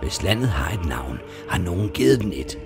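A proud, greedy male ruler with a hot temper and a gravelly edge, as a male narrator plays him. He talks down to others and flares into shouting, with music underneath the storybook recording. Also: deep voice, big pitch swings, exaggerated voice. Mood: haughty. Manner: haughty, quick to shout.

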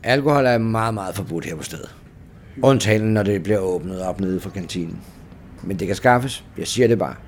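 A man voicing a discreet older student who sells smuggled goods in a soft-spoken salesman way. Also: low-pitched, a little hiss or hum. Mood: smooth, selling. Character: smooth, discreet teenage boy dealer.

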